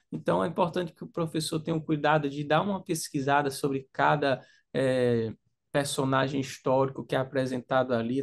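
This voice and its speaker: A man's voice: medium pitch, vocal fry. A man with a Brazilian Portuguese accent, co-hosting a religious teaching podcast, speaking thoughtfully with hesitant restarts. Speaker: podcast co-host, Sunday school teacher. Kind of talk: casual religious podcast discussion.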